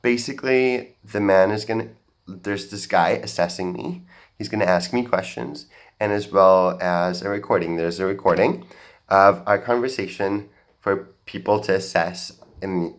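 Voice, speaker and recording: A young man from the Arab world with an American-sounding accent, telling a personal story in a public talk, earnest and halting with many fillers and restarts. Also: low voice. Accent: general American. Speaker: speaker at a talk. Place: auditorium stage.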